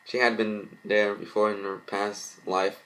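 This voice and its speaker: A man's voice: lowish voice, flat delivery, a little slow, pushed and bright, rough recording. A man reading a cartoon fan story aloud as an amateur narrator, stumbling now and then over his words. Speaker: fan fiction reader.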